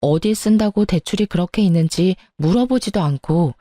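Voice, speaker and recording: A woman's voice: on the low side, lively intonation, moderate pace, dark tone, dry recording. A woman narrating a scripted first-person story in a wry, composed way.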